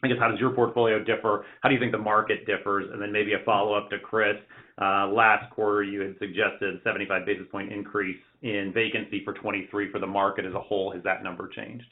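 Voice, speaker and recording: A male analyst puts questions on a conference call in a lowish voice. He talks quickly and conversationally, over a thin, narrow phone connection. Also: level tone.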